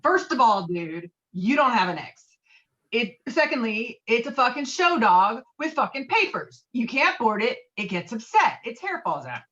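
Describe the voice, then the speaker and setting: A woman's voice: a little high, very animated, moderate pace, fairly bright tone, lo-fi sound. A woman acting a belligerent, rule-obsessed middle-aged male bowler in a script read, emphatic, self-righteous and foul-mouthed. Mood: irritated, insistent. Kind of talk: acted table read of a film script.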